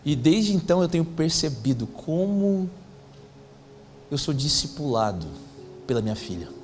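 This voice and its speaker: A man's voice: a little high, very animated, moderate pace, a little mellow. A man, a pastor telling a story in a sermon, acting out the dialogue in casual slang. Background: faint music.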